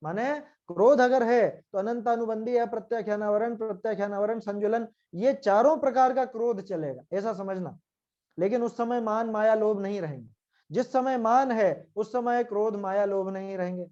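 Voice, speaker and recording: Mellow-voiced man teaching scripture. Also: high voice, moderate pace, highs cut off. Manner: conversational, rhetorical questions, acts out quoted voices. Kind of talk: Hindi scripture lecture.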